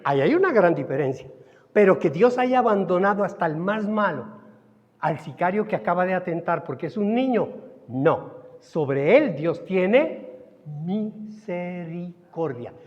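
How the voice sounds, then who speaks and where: A man with a Colombian Spanish accent preaching a sermon as pastor, stretching some words slowly and then rising in sudden emphasis. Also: high-pitched, lively intonation. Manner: preaching with dramatic slowdowns and sudden rises. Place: church hall. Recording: dull recording in a reverberant hall.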